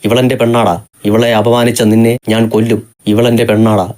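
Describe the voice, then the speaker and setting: A man voicing a fierce, protective young man who shouts in fury. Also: fairly low pitch, level tone, normal speed, lightly acted. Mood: furious. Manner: shouting, furious.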